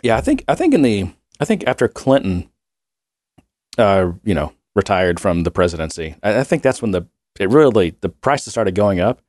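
A man's voice: on the low side, very animated, moderate pace, a little mellow, dry recording, studio quality. A man co-hosting a podcast in casual chat, rambling and laughing often while he has a cold and cough. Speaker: podcast co-host.

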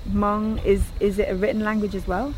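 A woman's voice: mid-range voice, little pitch movement, fairly quick, darkish tone. A woman host conducting a casual outdoor interview, prompting with short encouraging questions and "uh-huh"s. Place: outdoors in a village. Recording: outdoor field recording with clear background noise.

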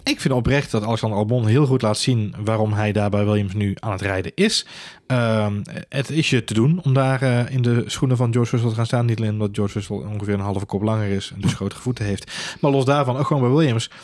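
A man co-hosting a casual racing podcast, talking quickly with many fillers and dry jokes. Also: fairly low pitch, darkish tone, no room sound. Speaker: podcast co-host. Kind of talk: casual Formula 1 chat.

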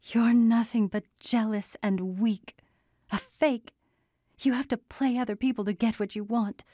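A woman's voice: a little high, steady tone, unhurried, dark tone, dry recording, clean studio sound, pitched above the performer's own voice. Defiant young heroine, read by a woman.

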